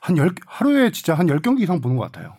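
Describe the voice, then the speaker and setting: A man, a reporter on the show, telling stories in an animated way. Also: fairly high pitch, racing. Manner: animated, storytelling.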